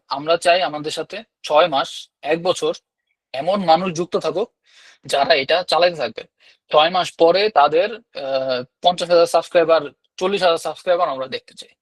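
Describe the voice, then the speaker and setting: A man's voice: a little high, fairly bright tone, no room sound. A man teaching a live online class, blunt and demanding, often checking that listeners follow. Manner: blunt, demanding, repeats "ঠিক আছে?". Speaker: YouTube course instructor.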